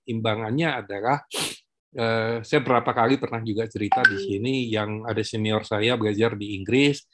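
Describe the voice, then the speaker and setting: Halting man talking about parenting. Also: medium pitch. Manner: halting, many filler pauses and restarts; mixes in English terms. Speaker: guest speaker on parenting. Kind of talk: conversational talk-show discussion.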